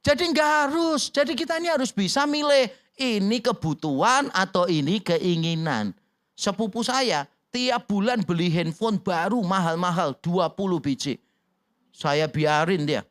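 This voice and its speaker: A pastor in a church delivers a sermon with a high, light voice. He keeps it humorous, slipping into little acted dialogues with playful voices. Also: a little slow, fairly bright tone.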